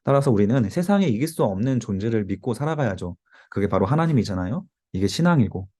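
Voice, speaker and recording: A man's voice: medium pitch, animated, quick pace, warm tone. A man teaching a Bible study to a youth group, explaining and exhorting while giving note-taking cues.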